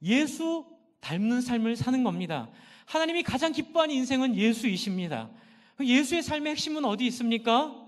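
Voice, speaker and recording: A man's voice: very high voice, sing-song, fairly quick. A middle-aged male pastor preaching a passionate sermon in a church sanctuary, posing questions to the congregation and answering them himself. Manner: impassioned, asks and answers own questions. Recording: long hall reverb.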